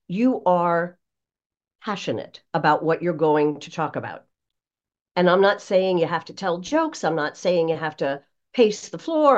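A woman voice coach explains things in a conversational interview style. Her pitch sits a little low but swings in a very animated, emphatic way. The recording is slightly dull and lo-fi. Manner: expressive, emphatic, acts out examples. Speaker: voice coach, guest.

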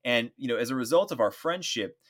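A man in his forties co-hosting a podcast, chatting in a relaxed, easygoing way with many fillers. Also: medium pitch, fairly quick. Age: 40s. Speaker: podcast co-host. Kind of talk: casual podcast chat.

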